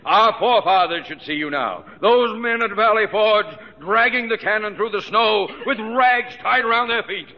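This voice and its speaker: A man's voice: high-pitched, moderate pace, few pauses. An actor playing a pompous, bossy middle-aged male school principal in 1940s radio comedy style, barking orders. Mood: blustering. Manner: bossy, explosive, shouting orders. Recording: muffled old radio broadcast, reverb, heavy hiss.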